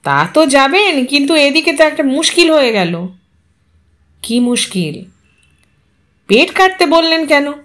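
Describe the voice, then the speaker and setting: A woman's voice: high-pitched, expressive, unhurried, long pauses, a bit bright, voice pushed up. Woman reading a scrawny, wheedling, grasping man. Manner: wheedling and haggling.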